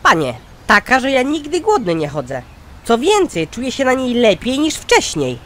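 A man voicing a droll, crotchety old grandpa in a cartoon comedy skit, drawing out deadpan punchlines. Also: extremely high pitch, moderate pace, exaggerated voice. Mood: boastful.

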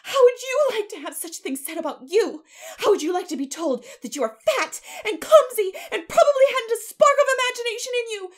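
Furious young girl, shrill and tearful. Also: lively intonation, brisk. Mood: indignant, defiant. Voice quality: choked, tearful shouting. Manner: vehement, defiant.

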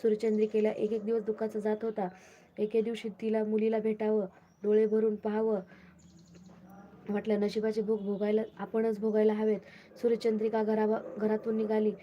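A woman storyteller reading a devotional folk tale aloud at a steady pace. Her voice is strikingly flat, dark and mellow. She stumbles and restarts now and then. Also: mid-range voice, normal speed, highs cut off, a little hiss or hum. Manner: steady, plain recitation with small restarts.

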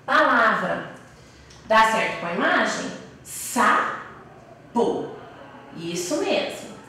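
A Brazilian primary school teacher, a woman, slowly explaining a lesson for young children and sounding out syllables. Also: medium pitch. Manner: slow, patient, sounds out syllables. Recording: echoey room, voice from a distance.

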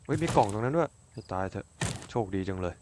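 A man doing casual let's-play commentary, cursing freely, bursting out excitedly and talking to his game character like a friend. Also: on the low side, fast talker, noisy background. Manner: crude, swears a lot, excitable outbursts; talks to his game character as if to another person. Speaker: gaming YouTuber.

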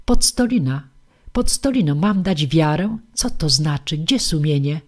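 A woman's voice: lowish voice, lively intonation, slow, a little mellow. A woman reading aloud and voicing a boastful, cowardly man who flusters and fawns. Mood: alarmed. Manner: fawning, flustered, bowing and scraping. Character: boastful cowardly male braggart, fawning and jittery.

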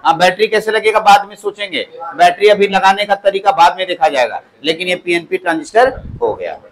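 A man's voice: sits high, brisk, fairly bright tone. A male polytechnic teacher giving a classroom lecture, repeating key words back to his students as questions. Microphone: clip-on mic at the waist.

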